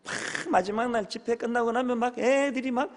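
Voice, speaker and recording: A male pastor preaching a sermon, telling humorous stories with sudden shouted exclamations. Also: extremely high pitch, fairly even intonation, fairly quick. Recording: long hall reverb.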